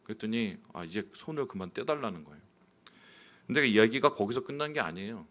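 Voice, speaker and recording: A male pastor preaching a sermon, telling a personal story candidly and swinging suddenly between loud and quiet. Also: fairly low pitch, expressive, brisk.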